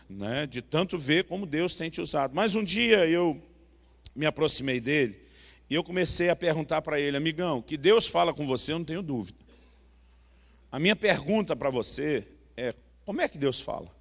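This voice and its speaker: A man's voice: on the high side, creaky, in a large hall. A man with a Brazilian Portuguese accent preaching a sermon, telling a story and acting out the dialogue, with frequent tag questions. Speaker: pastor.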